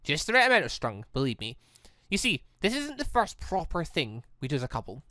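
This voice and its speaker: Let's player acting high-strung teenage heiress, proud, formal, insistent, bright voice, visual novel game. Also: very animated, fairly quick, dry recording.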